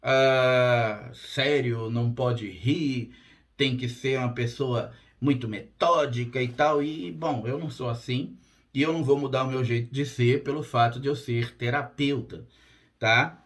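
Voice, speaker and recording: Hoarse man, direct and casual. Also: mid-range voice, steady tone, a little slow. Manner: direct and plain-spoken, frequent "tá?" check-ins. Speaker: spiritual therapist and channel host. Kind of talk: casual monologue to camera.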